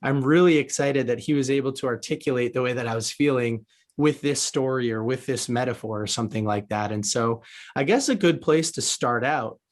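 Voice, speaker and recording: A man's voice: medium pitch, a little fast. A man hosting a podcast interview in a conversational, upbeat and articulate way.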